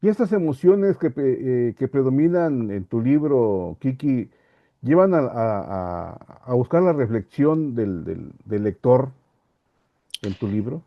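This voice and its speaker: A man's voice: mid-range voice, expressive, slow pace, dull audio. A man hosting an interview, asking questions and giving brief affirming replies. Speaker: interviewer host.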